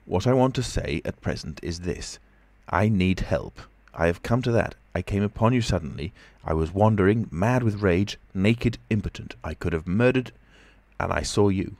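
A man's voice: sits low, expressive, normal speed, gravelly, darkish tone, no echo, full character voice. A man voicing a commanding, menacing invisible man in an audiobook, speaking urgently and domineeringly. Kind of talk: audiobook character voice.

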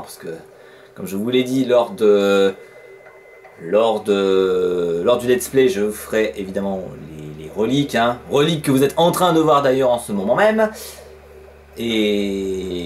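A man's voice: on the low side, slight background noise. A man giving casual let's play commentary, chatty and peppering his talk with fillers, swearing when surprised. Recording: faint game music behind.

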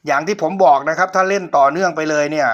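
A fairly high, slightly bright voice races along very fast as a middle-aged host casually demonstrates an old cassette player for sale. He's polite and talks to his viewers again and again, though the audio sounds dull.

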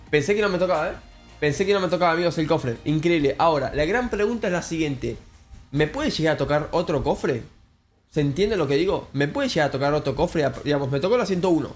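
A young man with a Rioplatense Spanish accent giving excitable Let's Play commentary, addressing viewers as friends. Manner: excitable, calls viewers "cracks" and "amigos", jumps high when thrilled. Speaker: gaming YouTuber.

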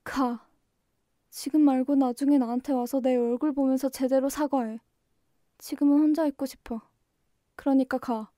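Woman acting a high-voiced, wounded young woman. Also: steady tone, moderate pace, pauses often, dark tone, no echo, clean studio sound, natural voice. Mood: hurt, cold. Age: young adult. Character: wounded, withdrawn young woman, bitter and despairing. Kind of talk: radio drama acting with inner monologue.

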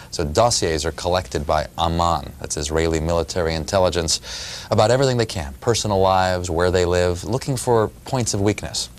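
A man in his thirties from New York City, a radio reporter and author, answering interview questions in a measured, storytelling way in a television studio on a lapel mic. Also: low-pitched.

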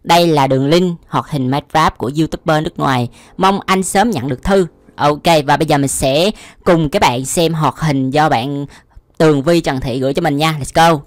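Speaking at a moderate pace in a fairly high pitch, this young YouTube host reacts casually to what he watches, full of exclamations and frequently amused. His voice is recorded dry, and music plays in the background.

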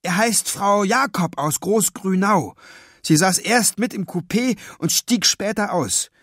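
A furious, honest young boy insists and shouts, almost in tears, as a male storybook reader puts him on. The voice sits high and swings wildly in pitch. It is recorded close and completely dry. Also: lively intonation, unhurried, dry recording, heavily acted. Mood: insistent.

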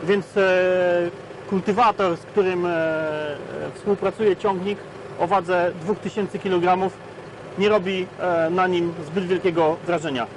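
A man's voice: high-pitched, fairly even intonation, measured pace, background noise. Hesitant man reviewing a tractor outdoors. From Poland. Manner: hesitant, many filler sounds between facts. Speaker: tractor test presenter. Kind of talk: product review walkaround. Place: outdoors in a farm field beside a tractor.

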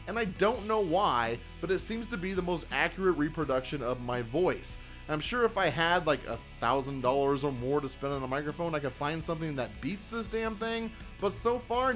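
Male reviewer, thirties, higher register, casual and self-deprecating. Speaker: reviewer and host. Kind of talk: casual scripted product review. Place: small indoor home studio.

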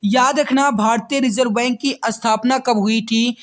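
A man's voice: very high-pitched, steady tone, normal speed. A man teaching a quiz-based exam-prep lesson, speaking directly to students in a repetitive, emphatic coaching manner.

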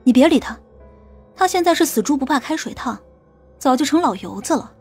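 An actress playing a stern, sharp-tongued female police team leader in an audiobook, commanding and scolding. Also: high voice, animated, fairly quick, soft background music. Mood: irritated. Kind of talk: acted audiobook dialogue.

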